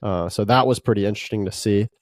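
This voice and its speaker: A man hosting a casual sports podcast, relaxed and rambling, with lots of fillers. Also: fairly low pitch, quick pace, no room sound, studio quality. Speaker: podcast host.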